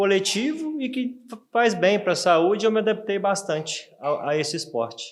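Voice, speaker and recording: A man speaks in a high voice at a moderate pace with very wide pitch swings and hardly any pauses. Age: 30s. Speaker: lawyer and merchant, cyclist. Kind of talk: podcast interview. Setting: bar tasting room.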